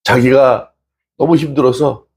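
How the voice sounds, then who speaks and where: A man's voice: medium pitch, steady tone, unhurried, darkish tone, husky. A male pastor preaching a sermon in a conversational way, asking the congregation questions and acting out scripture dialogue. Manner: acts out dialogue from scripture stories.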